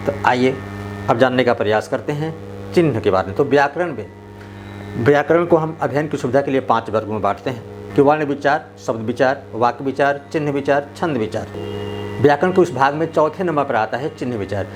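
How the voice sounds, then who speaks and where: A man teaching a grammar lesson who speaks slowly and deliberately and draws out example sentences to show where to pause. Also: mid-range voice, soft background music. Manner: slow, deliberate delivery, stretching out example sentences.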